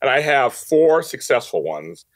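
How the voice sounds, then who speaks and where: A man's voice: medium pitch, sing-song, a little slow. Emphatic man telling personal stories. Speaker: podcast guest, audio drama producer. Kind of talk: personal storytelling in a casual interview.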